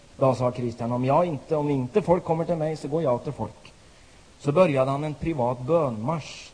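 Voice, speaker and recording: With a Norwegian accent, a man speaks at a moderate pace. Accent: Norwegian-tinged Swedish. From Norway. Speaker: pastor. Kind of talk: sermon. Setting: church meeting with audience.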